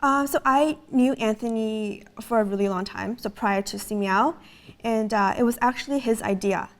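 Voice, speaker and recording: A woman's voice: fairly high pitch, moderate pace. A woman in her twenties, raised in Canada, earnestly explaining her business in a casual interview, with frequent fillers. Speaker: startup co-founder, guest.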